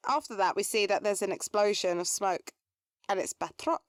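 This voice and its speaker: A woman co-hosting a podcast, explaining story points in casual, measured chat. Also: medium pitch, no echo, studio quality. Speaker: podcast co-host.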